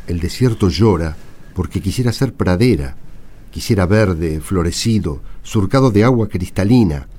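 An actor with a Rioplatense accent playing a grim Bedouin caravan traveller, intense and dramatic, in a radio play with music. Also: male voice, low voice, lively intonation, normal speed, warm tone, breathy edge. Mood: wistful. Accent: Rioplatense Spanish. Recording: music under the voice.

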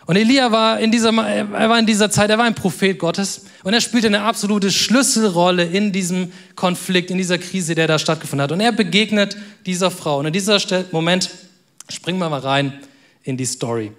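A man preaching a sermon in a casual, youthful way, dropping to soft, quiet tones for weighty moments. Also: sits high, a little fast. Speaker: pastor.

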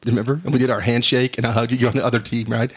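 A middle-aged man with a drawl tells stories in a booming voice that has a husky grain. He is animated and laughs easily, and he drops "dude" into almost every sentence. He speaks at a medium pitch for a man. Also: racing. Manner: animated, laughs often, says "dude" a lot. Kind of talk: casual storytelling chat.

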